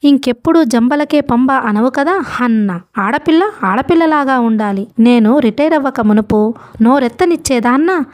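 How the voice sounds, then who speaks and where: A woman's voice: animated, normal speed, darkish tone. A woman voicing a touchy old spinster, a retired schoolteacher, who scolds fussily. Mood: scolding. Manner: scolding, shrill and fussy.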